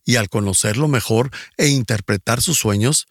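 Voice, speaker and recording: A man's voice: mid-range voice, moderate pace, no echo, clean studio sound. A man preaching a sermon emphatically, his voice rising sharply on exclamations. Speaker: pastor.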